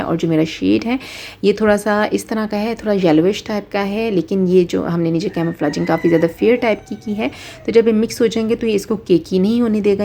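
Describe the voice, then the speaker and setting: A woman's voice: on the low side, vocal fry, warm tone. A woman with a Pakistani Urdu accent giving a step-by-step makeup tutorial, explaining and rephrasing with many fillers. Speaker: makeup artist.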